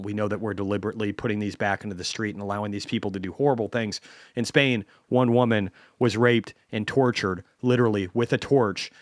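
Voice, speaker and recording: A man's voice: fairly low pitch, no room sound, clean studio sound. A man hosting a market commentary stream, ranting bluntly and swearing heavily.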